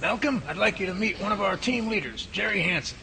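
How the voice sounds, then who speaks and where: A man playing a composed, patient professor who leads a research team and explains things in a measured way in an amateur radio drama. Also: sits high, expressive, vocal fry, bright, forceful tone, slight background noise, exaggerated voice, low-quality recording. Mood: hospitable.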